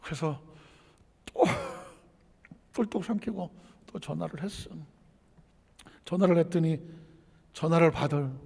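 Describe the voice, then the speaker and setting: A man preaching in a high, gravelly voice, carried by a long reverb as if in a church hall. He talks to his congregation conversationally, tosses out rhetorical questions and repeats key phrases for emphasis. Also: a little slow, pauses often, warm tone. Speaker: pastor. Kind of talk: sermon.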